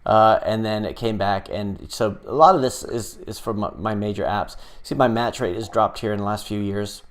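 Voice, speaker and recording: A middle-aged man hosting a casual live stream, chatting loosely with many pauses and restarts. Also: on the low side. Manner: rambling and hesitant, many fillers and restarts. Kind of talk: casual live-stream chat, reading viewer comments.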